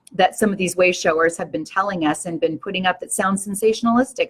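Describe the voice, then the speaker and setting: An older woman hosting her own show, talking earnestly and with passion to her viewers in a preachy, rousing way. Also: on the low side. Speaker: show host. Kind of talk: live-stream talk to viewers.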